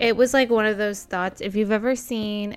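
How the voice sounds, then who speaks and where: A woman is heard on a very clean recording against a silent background. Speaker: podcast host. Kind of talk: casual solo podcast monologue. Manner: animated, gets higher when excited.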